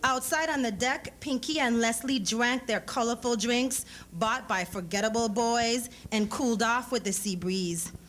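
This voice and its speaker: A woman reading a story aloud at a live event, in measured, expressive phrases. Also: on the high side. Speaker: author reading a short story at a public event. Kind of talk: dramatic literary reading of narrative prose with acted dialogue. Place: live lecture event before an audience.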